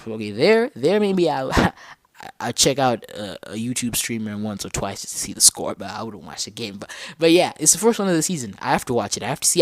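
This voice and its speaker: A young man from Zambia hosting a casual solo football podcast, talking in a slangy, animated way and correcting himself as he thinks aloud. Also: medium pitch, no room sound. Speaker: podcast host.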